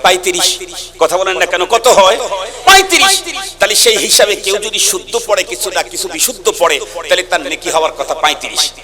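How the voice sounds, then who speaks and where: A Bangladeshi preacher with a high, ringing voice delivers a waz sermon in a rising and falling chant, moving from hushed lines to full shouts. He keeps goading his listeners to call back. The noise of a big crowd hums behind him the whole time. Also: fairly quick. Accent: Bangladeshi Bengali. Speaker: Islamic preacher.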